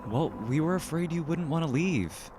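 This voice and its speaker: A man's voice: on the high side, animated, normal speed, background noise, lightly acted. An actor playing a frank, fearful young man in an audio drama. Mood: apologetic, worried.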